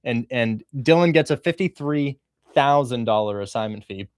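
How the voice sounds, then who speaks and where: Host, man, energetic coach on a video call, close dry sound, mid pitch. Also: moderate pace, dry recording. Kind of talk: livestream interview.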